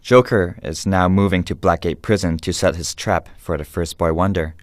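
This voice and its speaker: An actor playing a grave narrator, reading scripted narration for a comic-book thriller audio drama. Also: male voice, low voice, fairly even intonation, moderate pace, dry recording, clean studio sound, natural voice.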